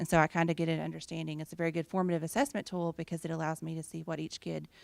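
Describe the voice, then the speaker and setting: A woman with an American accent talks at a very fast pace. Her fairly low voice stays monotone and flat in intonation. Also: dry, close sound with no echo, very clean recording, silent background. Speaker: teacher. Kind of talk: presentation.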